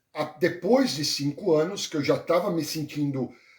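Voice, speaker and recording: The pitch rises and falls in an ordinary way. Delivery is at a fairly slow pace. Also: man. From Brazil. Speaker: pastor. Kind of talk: interview. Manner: halting.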